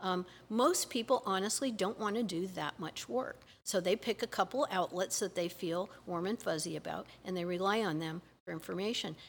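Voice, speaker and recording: A woman has a plain, everyday voice, pitched in the medium range with ordinary pitch variation, and talks at a moderate pace. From California (Pacifica), born in Maine. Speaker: political candidate, retired school teacher. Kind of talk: interview.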